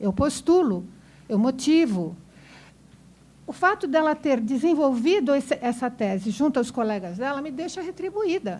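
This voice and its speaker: A woman speaks at a moderate pace in a high voice, her pitch swinging very widely, with long, frequent pauses. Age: 60s. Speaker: tax lawyer. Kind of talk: panel discussion remarks. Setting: workshop with audience.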